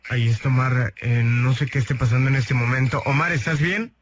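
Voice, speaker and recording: A man's voice: mid-range voice, steady tone, fast. A man on a live radio call-in, insistently addressing a caller in a replayed recording. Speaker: radio host speaking to a caller.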